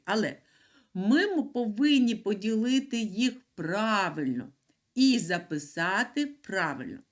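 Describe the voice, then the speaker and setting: A middle-aged woman teaches a class of young children. Her voice swoops up and down in a lively, sing-song way, stretching out each key syllable as she explains. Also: mid-range voice. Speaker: primary school teacher. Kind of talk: recorded lesson for children.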